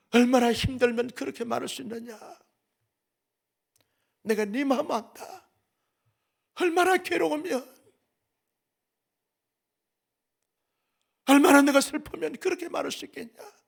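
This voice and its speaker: Pastor doing god as a gentle loving father, really high voice, gravelly. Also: moderate pace, pauses often, exaggerated voice. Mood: tender.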